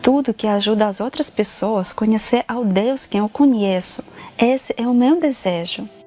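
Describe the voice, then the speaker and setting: Music plays behind a woman with a fairly high voice. She keeps a moderate pace and ordinary pitch variation. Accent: Russian. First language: Russian (speaking Portuguese). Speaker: church member. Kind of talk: testimony.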